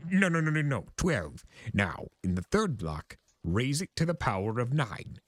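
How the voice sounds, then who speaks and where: Theatrical, wildly swooping ancient chaos lord. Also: male voice, mid-range voice, sing-song, no room sound, voice pushed up. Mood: smug. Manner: theatrical, grandiose, indignant, drawn-out emphasis. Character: ancient, pompous, exasperated male chimera lord of chaos. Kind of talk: dramatic cartoon fan fiction reading.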